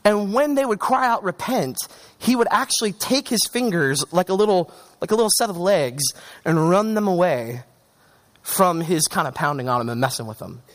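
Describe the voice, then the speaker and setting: A young man preaching a sermon in an animated, conversational way, with chatty asides to the congregation. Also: fairly high pitch, normal speed.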